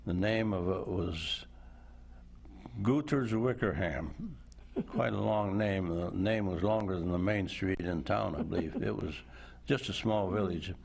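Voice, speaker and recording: A man in his nineties, a veteran recounting memories as a studio interview guest, unhurried and thoughtful with frequent pauses. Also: low voice, vocal fry, darkish tone, breathy edge. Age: 90s. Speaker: war veteran and author. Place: indoor television studio.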